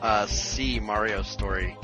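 A man's voice: on the low side, steady tone, slow pace. Man thinking aloud over music. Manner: thinks aloud with many fillers. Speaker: podcast co-host and quiz contestant. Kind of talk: casual podcast quiz banter.

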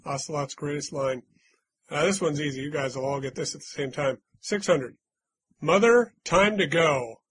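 Male quiz host, playful and teasing, slightly high husky voice, dry close sound. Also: normal speed, a bit bright, dry recording. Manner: playful, teasing, hums little doot-doot jingles. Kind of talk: casual podcast quiz reading.

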